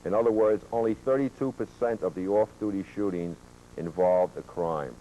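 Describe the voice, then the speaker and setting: Low, mellow man on worn VHS tape. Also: dull audio. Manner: measured, reads out statistics with occasional fillers. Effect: worn VHS tape copy with hum. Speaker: police officer presenting research. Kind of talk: training lecture presentation.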